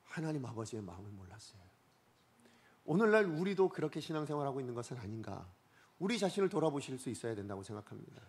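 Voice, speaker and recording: A man preaching a Sunday sermon, moving between loud emphatic peaks and quiet, low storytelling. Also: very animated, fast talker. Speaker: pastor.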